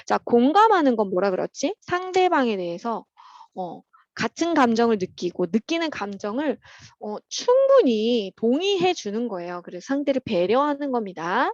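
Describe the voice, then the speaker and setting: A woman teacher talks children through their workbook answers in a patient, chatty way, her somewhat high voice rising and falling a lot. The sound is dry and close, with a slightly dull, lo-fi quality. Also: sing-song, darkish tone, dry recording. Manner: patient and chatty, opens steps with "자" and fills pauses with "어". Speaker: teacher at a private academy.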